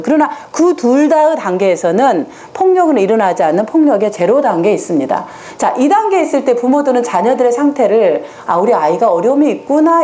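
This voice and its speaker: A woman's voice: fairly high pitch, a little mellow. A woman giving a live lecture to parents in a room with an audience, often putting questions to them. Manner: asks the audience frequent rhetorical questions. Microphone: hand or stand microphone with some room ring.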